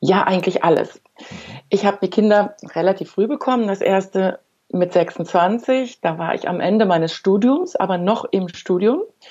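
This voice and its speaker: An ordinary speaking voice from a woman, moderate in pace and ordinary in pitch variation. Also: medium pitch for a woman. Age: 60s. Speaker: lawyer and mother of four. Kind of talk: interview.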